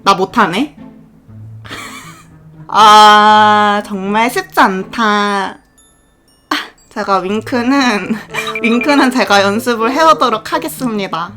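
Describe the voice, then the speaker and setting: A young woman chatting on a livestream in a cute anime streamer manner, playful, giggly and animated. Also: mid-range voice, takes it slowly, long pauses. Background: music.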